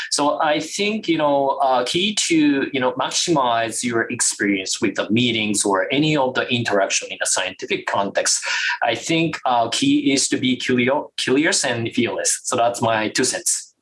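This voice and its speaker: Speaking with a Japanese accent, a man moves at a fairly slow pace with hardly any pauses and very even loudness, over noticeable background noise. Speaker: stem cell scientist. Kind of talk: casual chat.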